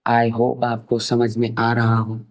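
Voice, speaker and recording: A young Indian man with an Indian accent leads an online grammar lesson. He talks at a slow, unhurried pace and in a mid-range voice, dictating example sentences one word at a time. His explanations mix English terms into Hindi. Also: mid-range voice, monotone, poor audio.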